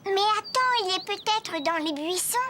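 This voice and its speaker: An actor voicing a curious, gentle four-year-old boy in a French cartoon, with a slow, earnest, slightly whiny childlike delivery. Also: extremely high pitch, expressive, a little hiss or hum, heavily acted. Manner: slow, earnest, simple phrasing.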